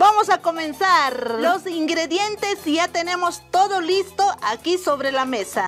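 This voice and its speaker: Over clear music in the background, a woman speaks at a fairly slow pace in an extremely high pitch. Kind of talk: cooking tutorial. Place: garden. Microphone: lapel.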